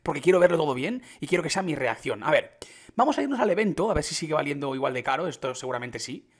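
A young man with an accent from Spain, reacting to a game update and talking it through for his viewers, keeping his voice down late at night until excitement breaks through. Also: a little high, quick pace. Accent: Spain Spanish. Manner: hushed and restrained, bursting into excited exclamations. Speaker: gaming youtuber.

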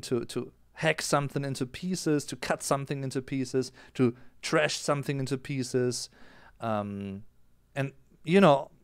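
German-accented streamer in his thirties, lively pitch, smooth clear tone, dry close headset sound; casual and explanatory. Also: dry recording. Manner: animated, gesturing with his hands. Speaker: music reaction streamer. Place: small indoor room.

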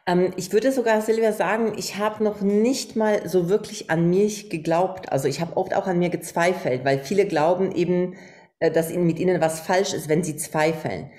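A middle-aged woman from Poland talks over a video call as an interview guest. Her voice sits fairly low, and she speaks earnestly and reflectively. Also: moderate pace, warm tone. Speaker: podcast guest, businesswoman. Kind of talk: candid interview talk. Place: home room, indoors.

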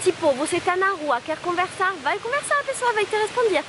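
A young French woman vlogger talking casually to camera outdoors by a waterfall, animated and searching for words in her second language. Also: very high-pitched, background noise. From France. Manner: animated, lots of hand gestures, searches for words. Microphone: camera close up at a table. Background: rushing waterfall.

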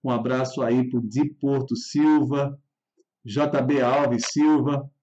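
A man teaching English in a live online lesson, speaking to viewers in a friendly way and slowing down to say model phrases clearly. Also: mid-range voice, fairly even intonation, a little mellow, lo-fi sound. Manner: friendly, addresses viewers directly.

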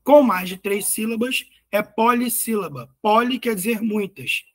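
A man with a rather high voice teaches at an unhurried pace. He goes through exam answers patiently, splitting words into syllables and repeating them. He often pauses to check whether the students are following. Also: a bit bright. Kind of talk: explaining exam questions.

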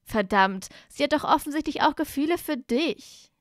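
A woman's voice: high voice, lively intonation, moderate pace, no room sound, clean studio sound, voice pushed up. A woman reading aloud voices a loyal, hot-headed young male wizard who presses his friend urgently. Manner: urgent, pushy.

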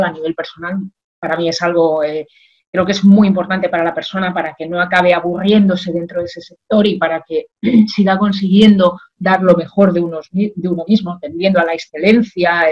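Here is a woman, chatting as an interview guest. Her talk is animated and loose, full of fillers. She is on a webcam video call from a home office. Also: on the low side, muffled recording. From Madrid, Spain. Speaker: guest, social selling expert. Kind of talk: casual interview chat.

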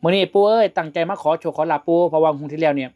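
A man's voice: a little high, very fast, lo-fi sound. A young man with an Isan Thai accent hosting a casual outdoor show, chatting and reciting invocations. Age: young adult. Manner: chatty, prayer-like invocations to a spirit. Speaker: host. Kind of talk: casual chat.

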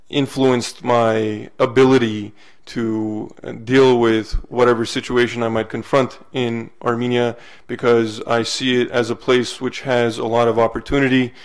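A young man introduces himself at a panel table. His voice is smooth and resonant but held very level in pitch. He speaks in a relaxed way and slips in small jokes. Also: measured pace. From California. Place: university lecture hall panel table.

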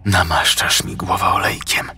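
A man voicing a devout warrior in whispered role-play, reciting a prayer in a hushed, steady, reverent whisper. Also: deep voice, moderate pace, husky, faint music behind, full character voice. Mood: prayerful.

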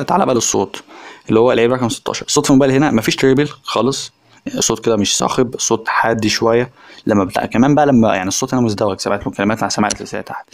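A man with an Egyptian accent giving a casual, chatty phone review voice-over, speaking directly to viewers. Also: lowish voice. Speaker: tech reviewer.

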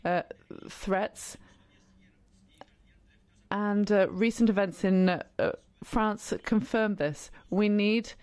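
A woman giving simultaneous interpretation of a debate speech, brisk and pausing on filler sounds between phrases. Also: medium pitch, steady tone, a little mellow. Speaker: conference interpreter.

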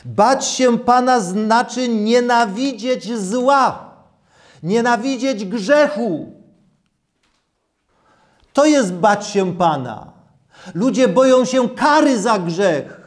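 A man in his sixties preaching a sermon and reading scripture in a deliberate, emphatic way, repeating key phrases. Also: very high voice, animated. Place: small church room, at a lectern.

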